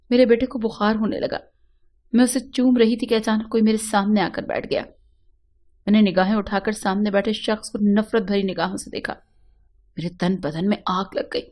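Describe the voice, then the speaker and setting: A woman's voice: mid-range voice, a little mellow. A woman reading a sad first-person story aloud in an earnest, emotional manner.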